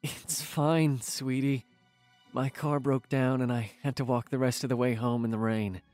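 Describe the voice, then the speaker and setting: A man playing an evasive boyfriend in a late-night audio drama scene, speaking hushed and hesitantly. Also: medium pitch, fairly even intonation, unhurried, faint music behind, close to an everyday voice. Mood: evasive, placating.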